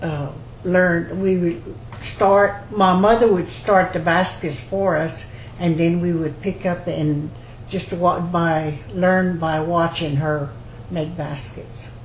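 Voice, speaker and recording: Speaking slowly in a steady, fairly low voice, a basket maker aged 70 or older from rural Louisiana recalls her past for an oral history interview. The room echoes noticeably, and faint background noise can be heard.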